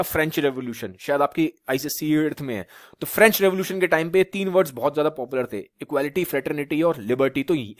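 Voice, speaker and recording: A man from Uttar Pradesh gives a classroom lecture in a slightly high voice. He keeps asking rhetorical questions and checks with his students as he explains. The sound is dry and close, with no room echo. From Uttar Pradesh, India. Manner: repetitive rhetorical questions, frequent "theek hai" checks. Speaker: teacher. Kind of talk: classroom lecture in Hindi mixed with English.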